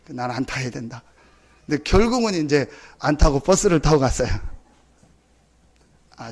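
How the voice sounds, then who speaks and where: A middle-aged male pastor preaching a Sunday sermon, telling stories and acting out the voices in them. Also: high voice. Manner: animated storytelling, acts out quoted voices.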